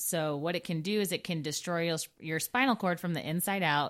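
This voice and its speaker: A woman with a Michigan accent speaks in a very deep, low pitch with ordinary pitch variation, on a very clean recording with a silent background. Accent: Michigan, US Midwest. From Detroit, Michigan. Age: 30s. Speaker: hairstylist. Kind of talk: casual interview chat.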